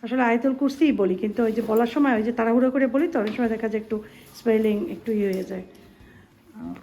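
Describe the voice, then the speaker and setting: A woman's voice: a little high, rapid-fire, mellow, low-quality recording. A woman in her thirties with a Bangladeshi accent, chatting casually to the camera as she cooks and does chores in her home kitchen. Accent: Bangladeshi Bengali. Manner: chatty, talks to camera and family while doing chores. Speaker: home vlogger. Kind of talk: casual chatty cooking narration.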